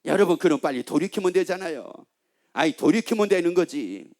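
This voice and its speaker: A man's voice: fairly high pitch, animated, fairly quick, darkish tone. A male pastor preaching a sermon in a church, emphatic and constantly asking the congregation questions.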